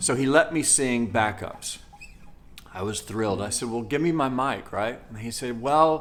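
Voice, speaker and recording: A man speaks at a moderate pace in an animated tone, his medium pitch showing ordinary variation, with audible room echo. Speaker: YouTuber and online marketer. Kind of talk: personal storytelling monologue.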